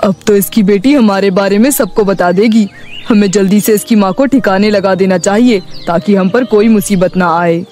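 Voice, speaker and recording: A woman's voice: mid-range voice, moderate pace, dark tone, faint music behind, pitched below the performer's own voice, close to an everyday voice. A woman voicing a callous, angry, scheming husband in a cartoon story, cold and menacing. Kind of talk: animated moral story dialogue.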